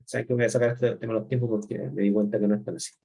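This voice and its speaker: A man's voice: fairly low pitch, steady tone, racing, vocal fry, warm tone. A male chemistry lecturer, explaining step by step in an online class and often checking in with his students. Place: remote class.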